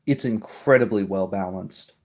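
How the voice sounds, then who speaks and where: A man's voice: deep voice, normal speed. A man narrating a tabletop roleplaying game as the game master.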